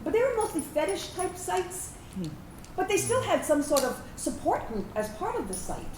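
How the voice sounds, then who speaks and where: A woman's voice: very high voice, big pitch swings, moderate pace, darkish tone. A woman performing a staged monologue as a reflective trans veteran around fifty, recorded in a room. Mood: hopeful, reflective. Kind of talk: theatrical dramatic monologue reading. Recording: echoey, distant mic, hissy room noise.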